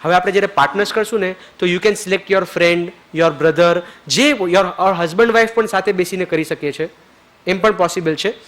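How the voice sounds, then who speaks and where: A spiritual teacher guides a retreat group through a forgiveness ritual at a moderate pace, slipping English phrases into his speech. He keeps checking that everyone understands, and his voice turns soft and low when he leads prayer.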